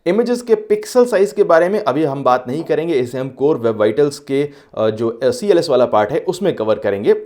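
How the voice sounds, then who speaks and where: Hindi tutorial host mixing English phrases. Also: male voice, mid-range voice, lively intonation, darkish tone. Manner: explains step by step with everyday analogies; clear, instructive delivery with brief filler pauses. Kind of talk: scripted screen-recorded tutorial.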